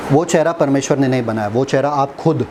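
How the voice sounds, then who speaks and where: A man's voice: mid-range voice, fairly quick, noisy background. A man preaching in a casual, conversational style, teasing the audience and asking them questions. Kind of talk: conversational Hindi sermon.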